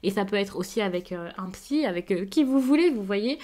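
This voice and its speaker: A woman giving a tarot reading to camera, gentle and reassuring, often pausing with hesitant fillers. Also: mid-range voice, animated. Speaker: tarot card reader.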